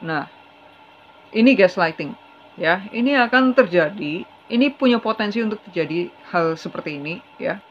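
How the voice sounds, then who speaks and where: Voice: mid-range voice, animated, moderate pace. A tarot reader giving a casual, chatty reading straight to the viewer, earnest and advising. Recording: slightly dull with faint hiss.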